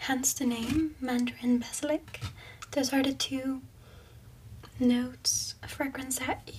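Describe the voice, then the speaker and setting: Soft-spoken and gentle in tone, a woman with a high voice talks at a very slow pace with long, frequent pauses over light background noise. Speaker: perfume content creator. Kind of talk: casual review chat. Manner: soft-spoken, gentle ASMR voice. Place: home room.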